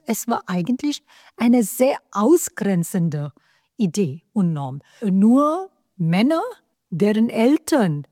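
A woman's voice: mid-range voice, mellow, no room sound, studio quality. A woman whose first language is Hindi, a professor of political theory, answering interview questions earnestly with hesitations and self-corrections.

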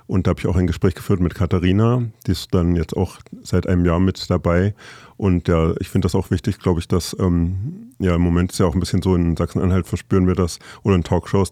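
Male radio host, very low voice, relaxed interviewer, dry sound. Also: quick pace, dry recording.

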